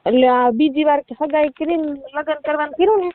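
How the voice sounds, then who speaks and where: A woman's voice: sits high, a little fast. A woman with a rural Saurashtra Gujarati accent giving a rambling, colloquial personal account over a muffled phone call. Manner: colloquial, rambling storytelling with reported dialogue. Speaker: caller seeking help with a marital dispute. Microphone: telephone.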